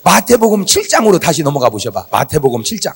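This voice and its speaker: A male pastor preaching a revival sermon to a congregation, animated, breaking into shouts and acted-out quoted prayers. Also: fairly high pitch, quick pace, creaky, slightly rough, big-room sound. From South Korea. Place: church sanctuary before a congregation.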